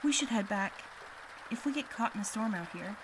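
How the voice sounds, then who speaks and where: A woman's voice: mid-range voice, expressive, normal speed, natural voice. A woman playing an earnest, practical young peacemaker in an audio drama, with a direct, questioning manner. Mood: concerned. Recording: clear background ambient noise.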